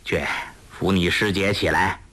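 A man's voice: fairly even intonation, unhurried, fairly bright tone. A man doing a cold, proud old master. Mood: stern. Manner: gruff, curt, low and cold. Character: proud, aloof older martial master, stern father.

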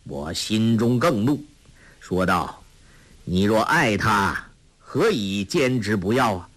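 A man voicing a gentle, grave old monk who speaks in a measured, soft way, in a storybook reading. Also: lowish voice, big pitch swings, full character voice. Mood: stern.

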